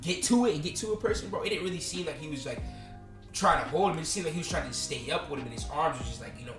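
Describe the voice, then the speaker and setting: A young man from Pennsylvania co-hosting a podcast in casual chat, talking in animated bursts with lots of filler phrases. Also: on the high side, fast talker, roomy sound, distant mic, over music. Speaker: podcast co-host.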